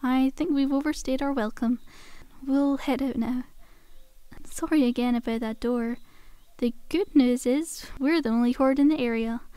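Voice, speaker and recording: A woman's voice: high voice, fairly even intonation, normal speed, dark tone, clean tone, dry recording, natural voice. A woman playing a cheeky, cajoling undead zombie girl in an ASMR roleplay, with a casual, teasing, conversational delivery. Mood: sheepish, relieved.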